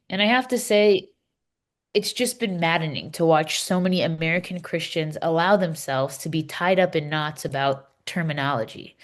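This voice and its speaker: A woman reading the part of an earnest, impassioned Palestinian Christian in a scripted readers theater dialogue, speaking deliberately and with emphasis. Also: low-pitched, lightly acted. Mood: grave, frustrated. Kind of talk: scripted dialogue read as measured conversation.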